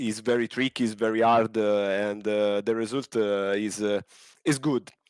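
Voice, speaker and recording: A man with a non-native accent speaks in a monotone, flat way. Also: dry, close sound with no echo, very clean recording, silent background. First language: not English. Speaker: sim racing driver. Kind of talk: post-race interview. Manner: halting, many fillers.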